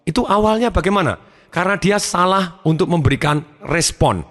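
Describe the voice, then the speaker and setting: Animated man giving a motivational talk. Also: sits high, moderate pace. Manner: animated, addressing listeners directly. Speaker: motivational speaker.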